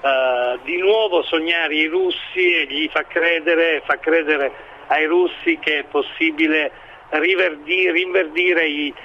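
A man giving expert current-affairs analysis in an interview, speaking in a halting, hesitant way as he builds his points. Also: on the high side, steady tone, lo-fi sound, slight background noise. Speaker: expert commentator being interviewed.

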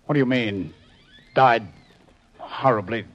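An actor playing a hard, overbearing, tense adventurer with curt commands and dramatic pauses, in 1950s radio melodrama style. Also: male voice, medium pitch. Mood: demanding, agitated. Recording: dull lo-fi 1950s radio recording.

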